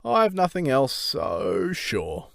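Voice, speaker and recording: Overeager father in his thirties, played by a man: dramatic cartoon delivery, very animated, recorded dry. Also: medium pitch, slow, vocal fry, dry recording, voice pushed up, heavily acted. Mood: melodramatic. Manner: dramatic, exuberant. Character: overeager mid-thirties father obsessed with cooking. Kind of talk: cartoon voice acting.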